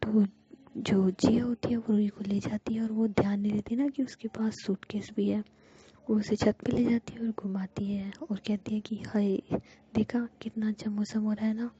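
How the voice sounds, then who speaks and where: Soft-spoken woman telling a love story. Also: medium pitch, fairly even intonation, normal speed, breathy edge. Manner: soft, half-whispered, chatty narration. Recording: dull lo-fi recording.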